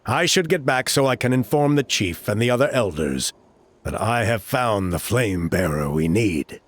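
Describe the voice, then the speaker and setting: A man's voice: fairly low pitch, animated, normal speed. An actor playing an earnest male tribal elder recruiting a hero, in a video game. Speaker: village elder.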